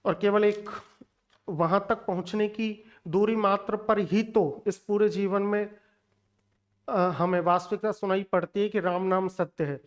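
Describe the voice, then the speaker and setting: A man's voice: high voice, steady tone, a little slow, lo-fi sound. A man teaching a pronunciation lesson for exam students, emphatic and lecturing, repeating words over and over to drill them. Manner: lecturing, addresses viewers directly. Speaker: Hindi teacher.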